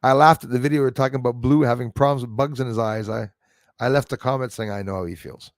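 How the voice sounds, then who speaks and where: A Canadian man in his forties hosts a casual livestream. His talk rambles and halts as he responds to his chat, in an average-pitched voice. The sound is dry, with hardly any room on it. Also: fairly even intonation, no room sound. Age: 40s. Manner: rambling, halting, greeting viewers by name. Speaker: livestream host. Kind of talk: casual live chat, reacting to viewer comments.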